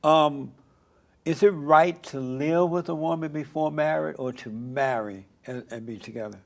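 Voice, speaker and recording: A man's voice: fairly high pitch, unhurried, gravelly. A man hosting a talk show interview, pressing his guest with blunt, leading questions.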